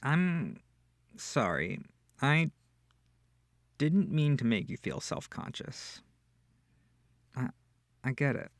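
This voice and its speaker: A man playing a kind, comforting incubus demon in an intimate ASMR roleplay, speaking softly and tenderly with hesitant, breathy reassurance. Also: medium pitch, sing-song, slow, long pauses, dry recording. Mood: sympathetic, awkward. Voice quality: breathy, often near whispering. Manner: soft, tender, hesitant, soothing. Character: gentle, comforting, shy-sweet male incubus demon.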